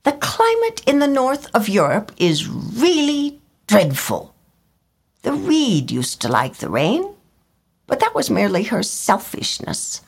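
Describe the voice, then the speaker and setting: A woman's voice: fairly high pitch, wildly swooping pitch, a little slow, creaky, slightly rough, voice pushed up, full character voice. A woman voicing a vain, fussy little male swallow in a storybook reading, talking in a chirpy, self-important way. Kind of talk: storybook character voice.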